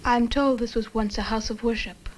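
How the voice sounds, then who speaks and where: A woman's voice: fairly high pitch, steady tone, moderate pace, natural voice. An actress playing a polite, inquisitive young female student in a 1960s horror film, with an earnest manner. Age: young adult. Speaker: college student. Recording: noisy old film soundtrack.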